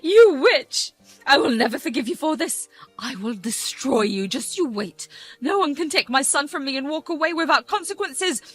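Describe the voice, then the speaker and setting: A shrill, scheming older mother-in-law snaps and pleads, as a woman narrator puts her on, her voice pushed far above the teller's own. Faint music runs underneath. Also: animated, moderate pace, vocal fry, a bit bright, dry recording, exaggerated voice. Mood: venomous. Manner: shrill, sobbing, venomous.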